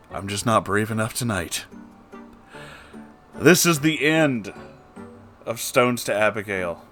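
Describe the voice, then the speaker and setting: A man's voice: fairly low pitch, expressive, takes it slowly, pauses often, fairly bright tone. A man hosting a bad-story reading show, talking casually to viewers in a theatrical, wry, self-deprecating way with some swearing. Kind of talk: casual rambling talk to viewers. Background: plucked guitar music.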